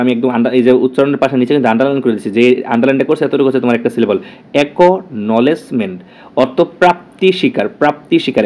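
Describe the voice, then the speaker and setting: A man runs an exam-prep lesson at a very rapid clip. He repeats each key word and keeps checking that his students are following. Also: medium pitch, a little mellow. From Bangladesh. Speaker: teacher.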